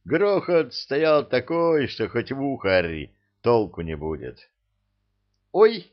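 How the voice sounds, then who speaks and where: A male narrator reads a fantasy story unhurriedly, his pitch swinging widely as he dramatizes the action. The recording is dull and lo-fi. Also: unhurried. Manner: animated, theatrical reading. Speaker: audiobook narrator.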